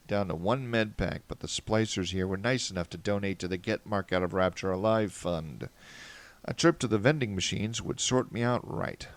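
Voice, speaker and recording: A man narrating a first-person fan fiction story in a wry, earnest way. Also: fairly low pitch.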